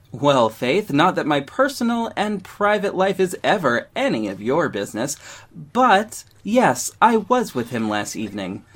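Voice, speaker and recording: Man playing a catty, swooping, high-pitched gay councilman. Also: exaggerated voice. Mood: catty, cutting. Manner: theatrical, pointed, biting sarcasm. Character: catty, sharp-tongued, confident gay man, detective and council member. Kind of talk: audio drama dialogue.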